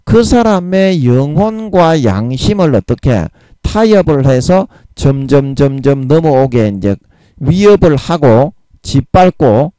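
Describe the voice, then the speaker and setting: A man preaching a Bible sermon in a blunt, emphatic way, using coarse everyday words and drawing out key phrases slowly. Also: a little high, expressive, warm tone, clear, resonant tone, no room sound. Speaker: evangelist preaching.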